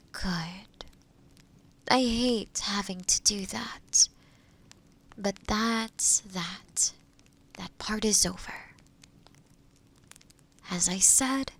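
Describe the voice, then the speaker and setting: A woman playing a kind, gentle forest witch in a roleplay audio, explaining potion work softly and caringly to the listener. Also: medium pitch, exaggerated voice. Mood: soothing, apologetic. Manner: soft, caring, hesitant, explaining patiently.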